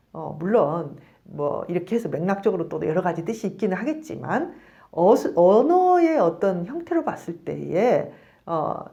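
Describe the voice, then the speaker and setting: Animated woman lecturing on psychology. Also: medium pitch. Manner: animated, acts out scolding parents in quotes. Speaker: professor giving a psychology lecture. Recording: dull lo-fi sound.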